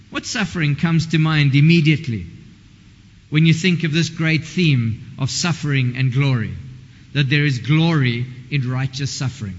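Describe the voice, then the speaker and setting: Man preaching in a reverberant hall. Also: a little high. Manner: conversational, self-interrupting and informal. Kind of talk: sermon. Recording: dull lo-fi sound with long hall reverb.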